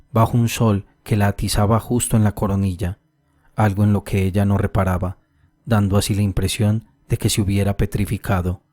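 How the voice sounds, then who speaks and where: A man reading a classic short story aloud as an audiobook narrator, calm and measured. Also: on the low side, dry recording, studio quality.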